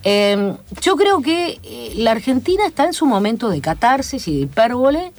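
A woman from Chile with a Chilean Spanish accent, a guest in a radio studio interview, talking in a measured, lecturing way full of fillers. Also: a little high, very animated. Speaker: guest, academic commentator. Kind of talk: radio interview, analytical talk.

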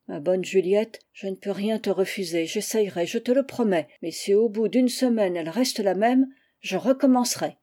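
A woman voicing a resentful but softening orphan boy in an audiobook, complaining and earnest. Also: medium pitch, normal speed, lightly acted.

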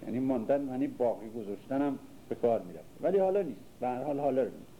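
A man's voice: mid-range voice, expressive, narrow, tinny audio. An older man teaching a class, reciting verses and then explaining them in casual speech, quizzing his listeners as he goes. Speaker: literature teacher. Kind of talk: lecture on classical poetry. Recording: faint background noise.

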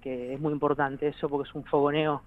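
A man's voice: a little high, flat delivery, a little fast, phone-quality sound. A man in his thirties with an Argentine accent, a musician guest who rambles, jokes and laughs often in a casual interview chat. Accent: Argentine Spanish. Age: 30s.

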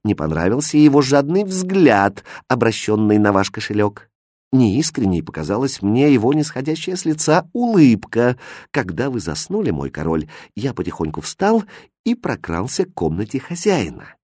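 A man reading a fairy tale aloud with expressive, animated storytelling. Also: medium pitch, moderate pace, no echo, clean studio sound. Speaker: audiobook reader. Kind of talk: storybook narration.

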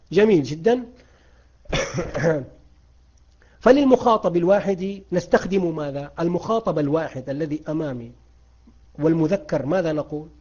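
Mellow-voiced Arabic grammar teacher. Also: male voice, on the high side, breathy edge, highs cut off. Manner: asks students questions and praises their answers. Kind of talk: online grammar lesson.

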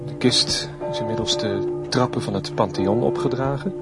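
An actor playing a reverent 1950s radio reporter, commentating hesitantly on a solemn ceremony in a radio play. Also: male voice, mid-range voice, moderate pace, lightly acted. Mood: hushed, reverent. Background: music.

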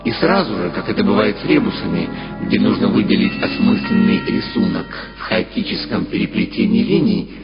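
A man narrates a story in a lowish voice, reading scripted prose. The sound is slightly dull, like radio, and music plays clearly behind him. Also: lively intonation, brisk.

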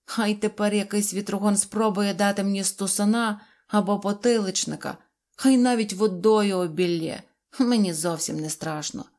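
A woman voicing a cheerful, boastful little fairy-tale man who speaks loudly and excitedly, forever apologising for his words. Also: high-pitched, normal speed. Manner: loud, excited, ever-apologetic phrasing.

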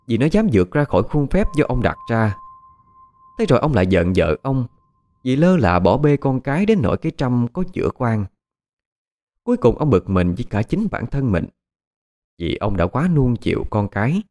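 A man narrating an audio story in a measured, expressive way. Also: fairly low pitch. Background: faint background music.

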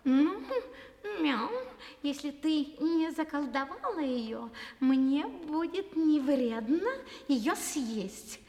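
An actress voicing a proud, independent female cat who teases with drawn-out meows, in a vintage studio radio play. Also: sits high, lively intonation, a little mellow, in a large hall, exaggerated voice. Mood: cunning. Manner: purring, teasing, drawn-out meows.

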